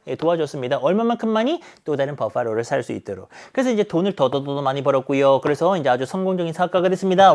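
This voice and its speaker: A man teaching an English exam lesson, animated, acting out characters' lines and asking rhetorical questions. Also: fairly high pitch. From South Korea. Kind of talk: exam explanation lecture.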